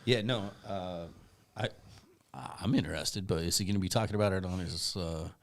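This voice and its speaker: A low-pitched man talks easily on a DJ podcast, relaxed and quick to laugh, dropping "man" and "bro" as he goes. His voice sits deep and heavy through a processed studio microphone. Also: slight background noise. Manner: laid-back, laughs often, says man and bro. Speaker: DJ and podcast co-host. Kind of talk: casual chat.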